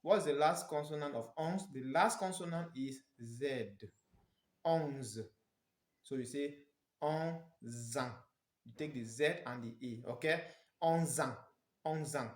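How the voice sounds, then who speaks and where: A man with a Nigerian accent teaching a language lesson in a didactic, emphatic way, repeating phrases slowly for pronunciation. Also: on the high side. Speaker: French teacher. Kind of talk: instructional language lesson, step by step. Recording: echoey, reverberant room.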